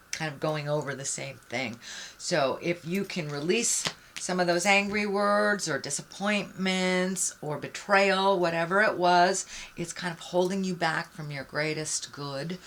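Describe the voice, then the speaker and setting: Woman, tarot reader, lowish voice, bright forward tone, reflective, encouraging, direct address, unscripted spiritual guidance. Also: slight background noise. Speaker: tarot card reader, host.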